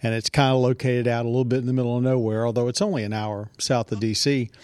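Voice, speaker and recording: Male host, conversational questioning, mid pitch, dry close sound. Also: flat delivery, fast talker, darkish tone, clean tone, dry recording. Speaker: show host. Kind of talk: radio-style car talk.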